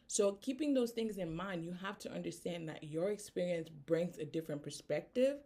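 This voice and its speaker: Woman coach, Haitian accent, lowish voice, earnest and direct, keeps checking in with "right?". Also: a little mellow. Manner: earnest, tags statements with "right?". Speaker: business coach. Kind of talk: motivational talk to camera.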